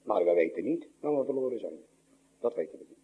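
A Dutch pastor preaching a sermon, swinging between loud rising cries and hushed low drops. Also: male voice, lively intonation, brisk, narrow, tinny audio, a little hiss or hum.

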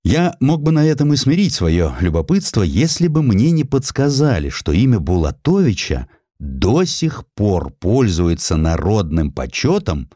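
A man with a low voice narrates a literary audiobook. His delivery is highly animated, with rhetorical turns and emphatic pauses. The sound is dry and close. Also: no echo. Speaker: audiobook narrator, reading in the author's first person. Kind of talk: expressive dramatized literary narration.

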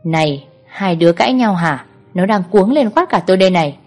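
A bossy older brother scolds his sister in quick, brisk lines, as a woman storyteller reads him. The voice sits lowish, with faint music underneath. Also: lively intonation, a little mellow. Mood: puzzled.

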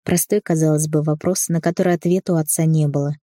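Low, dark-voiced woman narrating. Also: steady tone, fast, dry recording, studio quality. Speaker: audiobook narrator. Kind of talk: first-person audiobook narration.

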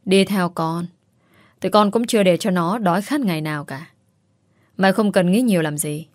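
A woman's voice: lowish voice, moderate pace, a little mellow, dry recording, clean studio sound, close to an everyday voice. A woman doing a cold, scheming young wife. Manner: cold, calculating.

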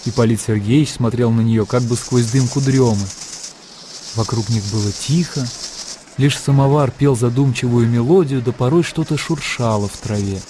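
A man narrating a classic story in a measured, calm way. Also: mid-range voice, a little hiss or hum. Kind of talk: scripted literary narration. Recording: narration over background music.

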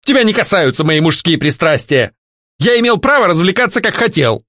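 A man voicing a jealous, petulant male ghost who shouts and pleads. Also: on the high side, animated, moderate pace, gravelly, dry recording, clean studio sound, pitched above the performer's own voice, full character voice. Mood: angry. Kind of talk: audiobook character voicing.

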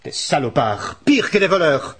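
An actor playing an excitable, indignant jeweller in a radio drama, speaking Flemish Dutch mixed with bursts of French. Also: male voice, on the high side, normal speed, slightly rough, exaggerated voice. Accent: Flemish, sprinkled with French.

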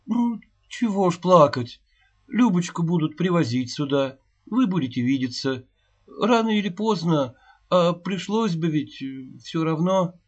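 A man voicing a kindly woman visitor who consoles gently. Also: fairly low pitch, expressive, measured pace, breathy edge, pitched above the performer's own voice. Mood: consoling. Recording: dull lo-fi recording.

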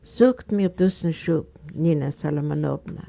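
Storybook: woman doing a humble, anxious old man, low and gravelly. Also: measured pace, highs cut off, exaggerated voice. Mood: pleading. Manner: humble, imploring, formal address.

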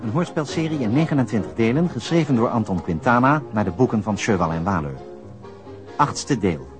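A male announcer formally introducing an episode of a radio drama series in a measured voice. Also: lowish voice, expressive. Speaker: program announcer. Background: music.

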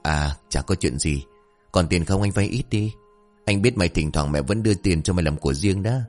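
A man voicing a rowdy young ex-soldier who wheedles his sister for money in a brash, rapid-fire manner. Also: sits low, a little mellow, faint music behind, lightly acted.

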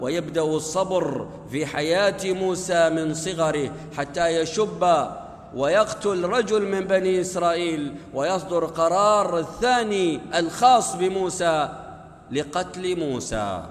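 A man's voice: a little high, unhurried. A man preaching a Friday sermon, telling a story dramatically and voicing the characters' lines. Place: mosque. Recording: echoey hall, long reverb.

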